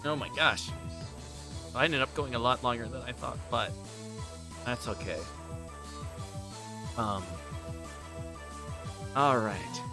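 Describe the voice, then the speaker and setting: A male streamer chats casually to his viewers while playing a visual novel. He rambles and interrupts himself in a flustered way, with music playing clearly behind him. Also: medium pitch, slow pace, long pauses. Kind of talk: casual livestream chat and story read-aloud. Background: game music.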